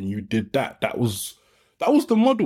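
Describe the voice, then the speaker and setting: In a South London accent, a man talks at a fairly quick pace with medium pitch and a dark, mellow tone, on a very clean recording with a silent background. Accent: South London, Multicultural London English. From Peckham, South London. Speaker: creative technologist and artist. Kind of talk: casual interview chat.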